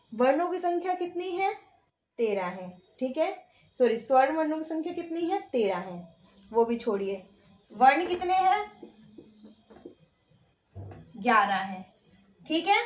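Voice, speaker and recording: Woman, teacher, high voice, grammar lesson, asks and answers own questions, patient repetition, echoey room. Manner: asks questions and answers them herself, repeats points patiently. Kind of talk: online Hindi grammar lesson.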